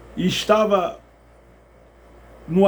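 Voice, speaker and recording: The speaker is a man. His voice is high-pitched for a man, with ordinary pitch variation. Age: 60s. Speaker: video blogger sharing personal news. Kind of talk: personal testimony.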